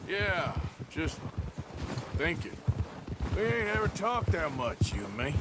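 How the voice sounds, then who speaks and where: An actor playing a weary, plain-spoken Western outlaw in a video game, with a folksy, rough-spoken American drawl. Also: male voice, fairly high pitch, very animated, takes it slowly, heavy background noise. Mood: reflective. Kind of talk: video game character dialogue. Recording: loud music behind the voice. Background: loud game music.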